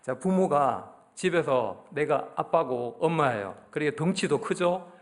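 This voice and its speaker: A man's voice: a little high, lively intonation, measured pace. A middle-aged man with a Gyeongsang accent preaching a conversational sermon to his congregation, often putting questions to them. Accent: Daegu Gyeongsang Korean. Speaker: pastor. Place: church sanctuary.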